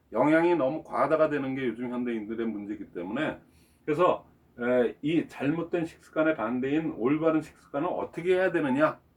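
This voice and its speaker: A man with an ordinary speaking voice delivers lively intonation at a fairly high pitch and a moderate pace. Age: 60s. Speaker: network marketing business leader. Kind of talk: lecture. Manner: conversational, with fillers.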